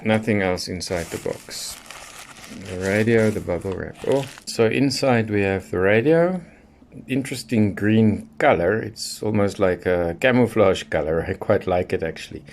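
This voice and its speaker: A man giving a casual, unscripted product review in a measured, matter-of-fact way with pauses between short phrases. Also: fairly low pitch, a little mellow, a little hiss or hum. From South Africa. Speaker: radio hobbyist presenter.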